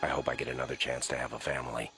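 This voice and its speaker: A man voicing a stoic cartoon pig detective with a deadpan, formal delivery and an Ozark twang. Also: a bass voice, very fast, exaggerated voice. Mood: wistful. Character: stoic male pig detective, dry and wistful. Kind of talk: animated comedy acting. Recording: music behind the voice.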